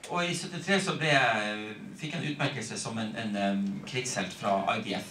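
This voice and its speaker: Bright-voiced male interpreter in echoey room. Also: fairly low pitch, normal speed, recorded from a distance. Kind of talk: consecutive interpreting, phrase by phrase. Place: medium meeting hall, indoors. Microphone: handheld mic, picked up by distant camera. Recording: echoey room from off, faint noise.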